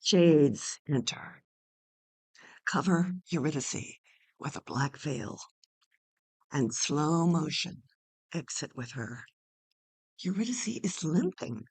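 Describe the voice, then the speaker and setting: A woman reading a play aloud as a deliberate, dramatic narrator, including stage directions. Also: low-pitched, animated, a little mellow, breathy edge. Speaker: playwright reading own play.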